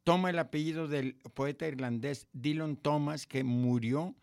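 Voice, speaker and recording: A man's voice: fairly high pitch, moderate pace, gravelly, darkish tone. An older man with a Mexican Spanish accent, a guest musician telling boastful jokes and stories in casual chat. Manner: joking, boastful storyteller.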